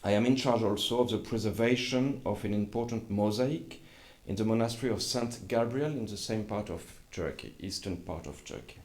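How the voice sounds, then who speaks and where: A man with a French accent giving a formal conference talk in a second language, slightly halting. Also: fairly low pitch, a little mellow. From France. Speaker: journalist and scholar speaking at a conference.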